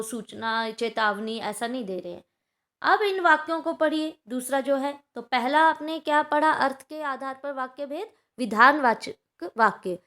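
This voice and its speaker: A woman's voice: on the high side, fairly bright tone. Patient woman teaching a grammar lesson. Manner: explains patiently, checks in with "ठीक है" often. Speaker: school Hindi teacher.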